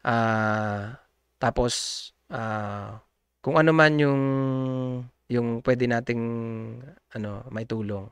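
A man's voice: medium pitch, slow, pauses often, clean tone, no echo. A man speaking casually and politely to viewers, rambling with many hesitations and fillers, often laughing. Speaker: community group member addressing viewers. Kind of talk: casual unscripted monologue.

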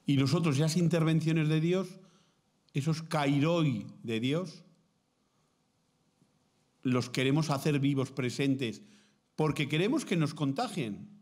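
A man's voice: on the high side, takes it slowly, long pauses. A man from Spain, a priest and theology lecturer, gives a formative talk to contemplative nuns, telling stories with acted quotes and checking in with the listeners. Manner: lively storytelling with acted quotes, frequent "¿mm?" check-ins. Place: seminary lecture hall.

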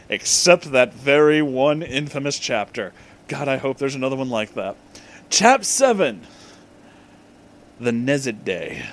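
A man hosting a comedic reading of fan fiction, mockingly sounding out misspellings as written, with amused asides. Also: high-pitched.

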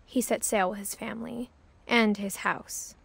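A woman voicing a young woman who narrates her family's history in a video game, speaking softly and close to a whisper. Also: mid-range voice, steady tone, a little slow, gravelly, a little hiss or hum. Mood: calm. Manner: soft, hushed storytelling, often near a whisper.

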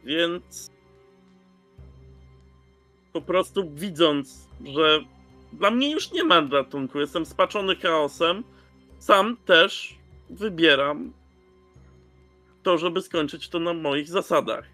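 A man's voice: a little high, expressive, slow pace, pauses often, sharp tone. A man in his thirties, a player in a tabletop roleplaying game, telling what his character does and thinks. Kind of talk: slow in-game storytelling. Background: music.

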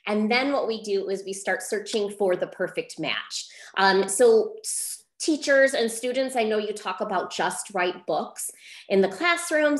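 A woman hosts a question session for young readers over a video call. Her pitch moves in a lively way around an average level. She explains plainly, and the room adds noticeable echo to her voice. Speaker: host, book publisher. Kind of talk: moderating a question-and-answer session for children.

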